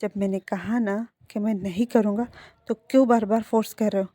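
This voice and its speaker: A woman voicing a stubborn, possessive man in a narrated fan-fiction story, speaking curtly and quietly. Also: medium pitch, fairly even intonation, a little fast, no echo, natural voice. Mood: cold firm.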